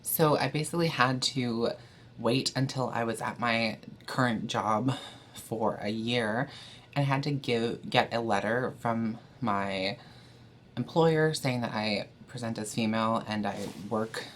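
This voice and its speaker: A woman's voice: rumbling low, measured pace, slight background noise. A young trans woman from Canada chatting casually to camera, with frequent fillers and an easy, candid manner. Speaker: vlogger.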